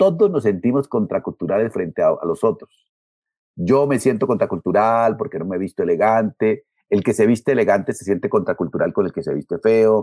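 The man's tone is dark and mellow, and his intonation is lively. He speaks at a fairly quick pace in a dry, close sound with no echo. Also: medium pitch for a man. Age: 60s. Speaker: professor and media critic. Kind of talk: interview.

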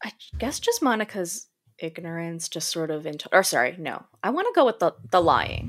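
A woman's fairly low voice, an ordinary speaking voice, at a moderate pace with lively intonation and big swings in loudness. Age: 40s. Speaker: social media creator and podcaster. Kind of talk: casual chat.

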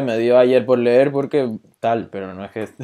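A man speaks in a dark, mellow tone. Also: quiet background. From Canary Islands (Tenerife). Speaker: podcast co-host. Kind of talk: casual chat.

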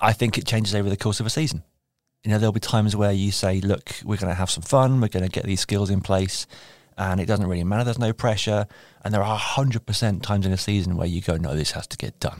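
In a British accent, a man speaks at a very fast pace with a fairly low pitch, the sound dry and close with no echo in a very clean recording with a silent background. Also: ordinary pitch variation. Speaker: university professor. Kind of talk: casual interview.

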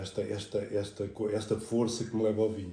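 Audible room echo surrounds a man with a European Portuguese accent who talks at a fairly quick pace and a medium pitch. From Portugal, Coimbra district. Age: 50s. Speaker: winemaker. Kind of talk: interview. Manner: halting.

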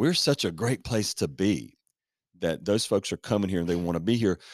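A fairly quick voice with a North Carolina accent, in a dry, close sound with no echo, on a very clean recording against a silent background. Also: man. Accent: North Carolina Southern. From Holly Springs, North Carolina. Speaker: podcast co-host. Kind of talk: interview conversation.

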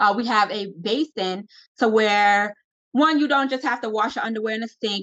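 A woman's fairly high voice with an American accent, an ordinary speaking voice, ordinary pitch variation, and a dry, close sound with no echo. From New York. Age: 30s. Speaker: entrepreneur, product founder. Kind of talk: interview.

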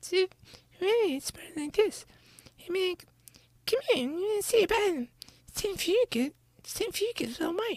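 A shrill, put-on character voice at a moderate pace, broken by long, frequent pauses. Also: female-sounding voice, extremely high pitch for a woman.

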